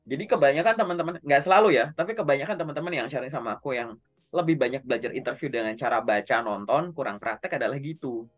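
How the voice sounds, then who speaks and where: A man coaching a learner on job interviews in a relaxed, conversational way, speaking straight to them. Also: medium pitch, fast, faint music behind. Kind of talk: casual online coaching session.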